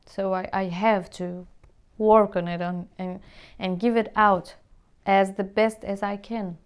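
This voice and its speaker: A woman's voice: medium pitch, steady tone, takes it slowly, smooth. A woman from Syria, a musician, speaking English in an earnest interview and searching for words as she talks. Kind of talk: interview answers to camera.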